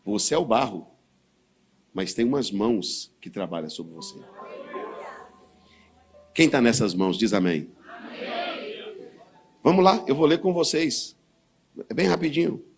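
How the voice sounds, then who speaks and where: A man with a Brazilian Portuguese accent preaching a sermon, swinging between low, quiet stretches and loud, fiery bursts. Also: big pitch swings, unhurried, pauses often, husky, faint music behind. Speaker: pastor.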